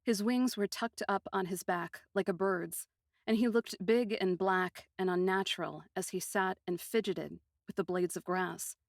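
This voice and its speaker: A woman narrating a first-person fantasy story in an expressive, literary manner with deliberate phrasing. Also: mid-range voice, no echo, clean studio sound.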